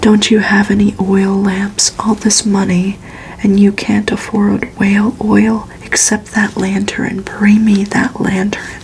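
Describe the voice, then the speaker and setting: A woman voicing an arrogant, impatient male vampire in a breathy, scornful whisper for an ASMR story reading. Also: medium pitch, completely flat delivery, takes it slowly, a little mellow, slight background noise, poor audio. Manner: scornful, commanding.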